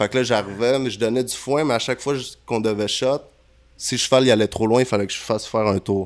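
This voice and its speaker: Very fast speech comes from a man with a medium pitch. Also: fairly even intonation. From Montreal, Quebec (born in Indonesia). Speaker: rapper. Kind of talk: casual interview.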